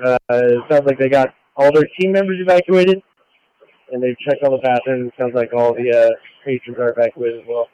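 A man's voice: medium pitch, steady tone, a little fast, dry recording, highs cut off. A man speaking as a firefighter on scene, giving urgent, clipped procedural reports over a two-way radio. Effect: two-way radio transmission. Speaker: firefighter, incident officer on scene.

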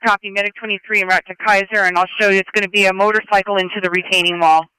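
A man's voice: high-pitched, level tone, very fast, pushed and bright, smooth, no room sound, low-quality recording. An American man working as an emergency dispatcher, giving clipped, procedural ambulance radio traffic over a two-way radio.

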